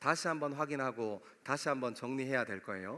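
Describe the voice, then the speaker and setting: A man speaks at a fairly quick pace with a fairly high pitch and ordinary pitch variation, his tone bright and sharp. The recording is very clean, with a silent background. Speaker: pastor. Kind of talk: sermon. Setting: church youth worship service. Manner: conversational, addresses audience often.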